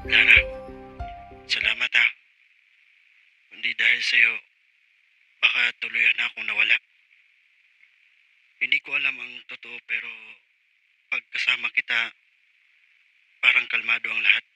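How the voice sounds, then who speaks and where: A man's voice: medium pitch, level tone, measured pace, pauses often, sharp tone, no echo, rough recording. A man acting a troubled, earnest young man with lost memories in an audio drama. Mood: tender, wistful.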